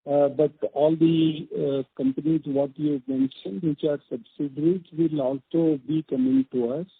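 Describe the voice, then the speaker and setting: A man with an Indian accent speaks on a muffled, phone-like conference line, in a fairly high, gravelly voice. He answers as an executive, picking his words slowly and haltingly. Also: no room sound. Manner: halting, deliberate phrasing. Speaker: company executive answering investors. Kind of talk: earnings call answers. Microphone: conference call device.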